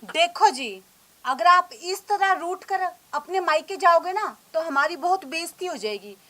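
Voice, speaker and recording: A woman's voice: very high voice, animated, measured pace, pushed and bright, heavily acted. A woman playing a bossy, domineering young wife in a comedy skit, scolding and ordering her husband about. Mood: coaxing. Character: bossy young wife, later a sharp mother-in-law.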